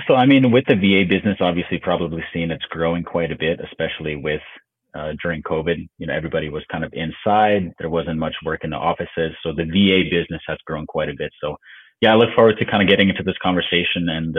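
A man from Slovakia chatting loosely as a podcast guest. His voice sits very low and sounds husky. He comes through a tinny, phone-like remote call line. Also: fast. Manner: relaxed, loose, many fillers. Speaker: podcast guest, business owner. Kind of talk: casual interview chat.

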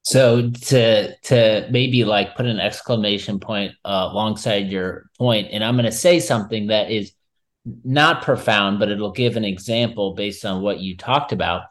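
A man's voice: fairly low pitch, unhurried. A man hosting a marketing podcast, talking casually and emphatically in informal, slightly salty language. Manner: informal, emphatic, mildly profane. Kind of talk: casual conversational anecdote and commentary.

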